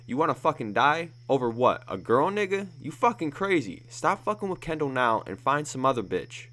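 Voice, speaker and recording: A man voicing a tough, threatening young male gang member who swears and shouts in a raised voice. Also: lowish voice, brisk, close to an everyday voice. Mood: menacing. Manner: loud, swearing, aggressive.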